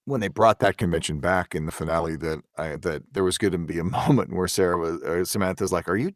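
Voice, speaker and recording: Man, low pitch, very little room echo, conversational podcast talk. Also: quick pace, studio quality. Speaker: podcast panelist. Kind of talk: casual behind-the-scenes discussion.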